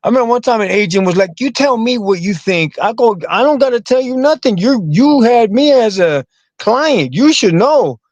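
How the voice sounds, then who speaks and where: A man's voice: very high voice, animated, moderate pace, a little mellow, no echo. Guest comic, male, casual and rambling, stacks up repeated words, close dry sound. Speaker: comedian and actor guest. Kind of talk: casual interview talk.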